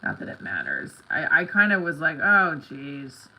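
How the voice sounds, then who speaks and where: A woman's voice: low-pitched, wildly swooping pitch, a little slow, lo-fi sound. A middle-aged woman with a congested, stuffy nose, chatting casually and candidly as she hosts a live stream from home in a rambling, blunt way. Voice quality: stuffy-nosed. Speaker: live stream host, comedy creator and performer. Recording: clearly noisy home recording with clicks.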